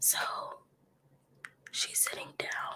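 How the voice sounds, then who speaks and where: A whisper at a moderate speed, with noticeable noise behind it. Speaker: ASMR youtuber doing commentary livestream. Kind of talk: casual commentary livestream. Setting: livestream.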